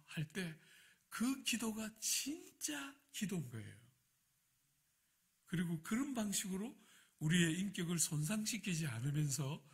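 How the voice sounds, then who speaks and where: A man preaching a sermon as a pastor, telling a personal story and acting out his own prayers. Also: a little high.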